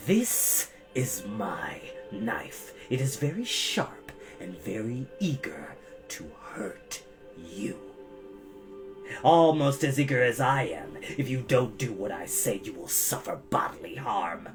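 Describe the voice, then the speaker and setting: A reader voicing a menacing adult male villain who talks slowly in a low, whispery snarl. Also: very animated, over music. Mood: threatening.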